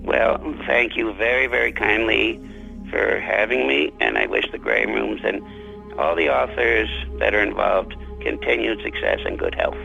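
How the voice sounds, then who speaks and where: A man's voice: fairly low pitch, wildly swooping pitch, moderate pace, vocal fry, sharp tone, muffled recording, faint music behind. A man being interviewed as an author, conversational and courteous, with formal turns of phrase and a self-deprecating manner.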